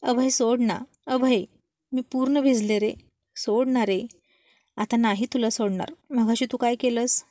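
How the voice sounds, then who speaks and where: A woman's voice: a little high, fairly even intonation, a little slow, long pauses, dark tone, dry recording, clean studio sound, lightly acted. A woman voicing a teasing young wife. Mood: pleading.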